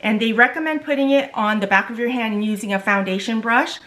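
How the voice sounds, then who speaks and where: A woman's voice: a little high, quick pace, a bit bright, slight background noise. A middle-aged woman whose first language is Korean, chatting through a makeup wear test and often hunting for words and starting over. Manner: chatty, loses words and restarts. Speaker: beauty vlogger. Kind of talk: casual makeup tutorial chat.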